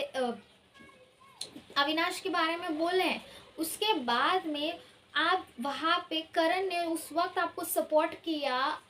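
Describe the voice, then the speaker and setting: A woman's voice: high-pitched, a little hiss or hum. A woman reviewing a reality show in casual commentary, opinionated and often hesitating as she switches between Hindi and English.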